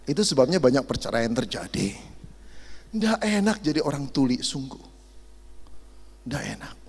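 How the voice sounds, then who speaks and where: Middle-aged male pastor, comic storytelling sermon, high lively delivery in a reverberant hall. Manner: animated, jokey, acts out dialogue and sound effects. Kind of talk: lively sermon with acted-out stories. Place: large hall at a youth camp.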